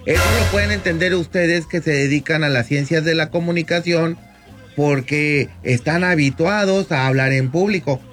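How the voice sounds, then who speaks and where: A man in his fifties, a lawyer, explaining at length in a measured way on a radio talk segment from a studio booth. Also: fairly high pitch, a bit bright, soft background music. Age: 50s. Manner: measured, explanatory, often addresses the host by name. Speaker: lawyer guest on radio show.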